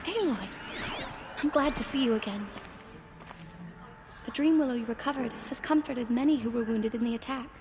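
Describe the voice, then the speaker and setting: A devout, gentle tribal woman, played by a woman in a video game. She speaks courteously in a fairly high voice, with music clearly behind her. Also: moderate pace, long pauses, natural voice. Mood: glad, gentle.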